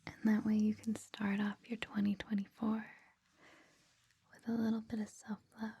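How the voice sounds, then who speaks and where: A woman host whispering softly in an ASMR style, gentle, reassuring and informal as she speaks to her listeners. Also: mid-range voice, monotone, moderate pace. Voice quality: soft breathy whisper. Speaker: ASMR host introducing a meditation series.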